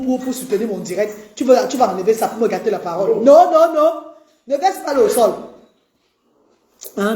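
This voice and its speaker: A woman's voice: mid-range voice, darkish tone, echoey room. A woman, an autism advocate talking on a live stream, effusively greeting viewers and pleading for shares.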